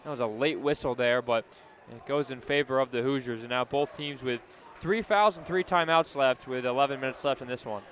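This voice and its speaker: A man's voice: medium pitch, brisk, a little hiss or hum. An American man giving live basketball analysis as a color commentator.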